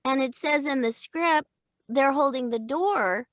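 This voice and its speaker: A middle-aged woman, a voice-over teacher, chatting in an interview in an animated way, laughing often and acting out example lines. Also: sits high, a little slow, no echo, clean studio sound. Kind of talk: casual interview chat.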